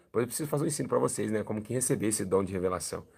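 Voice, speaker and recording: Animated Brazilian pastor with gravelly voice. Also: male voice, on the low side, racing. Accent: Brazilian Portuguese. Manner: animated storytelling, acting out dialogue. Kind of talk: church testimony.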